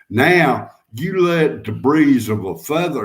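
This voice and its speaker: A man talks at a very slow pace, his voice moving through very wide pitch swings. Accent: Southern US. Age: 60s. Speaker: outdoor channel host. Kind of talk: casual chat. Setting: livestream.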